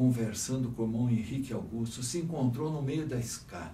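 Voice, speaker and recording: At a moderate pace, a man speaks with a medium pitch, ordinary pitch variation, and a dark, mellow, somewhat breathy tone, with audible room echo. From Brazil, Paraná (São José dos Pinhais). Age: 70s. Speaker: Marist brother and educator. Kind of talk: oral history testimony.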